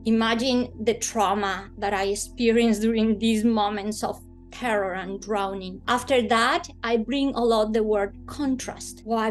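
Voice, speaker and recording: A woman with a Colombian accent, a native Spanish speaker, telling a personal story in an interview with expressive, dramatic emphasis. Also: on the high side. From Bogota, Colombia.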